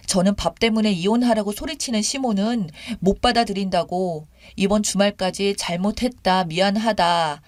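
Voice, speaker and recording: A woman's voice: mid-range voice, dry recording. A woman in her thirties reading a first-person story in an indignant, conversational, complaining way.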